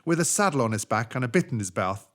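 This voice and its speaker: A man narrating a children's story from a script as a storyteller, with expressive, deliberate theatrical phrasing. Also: mid-range voice.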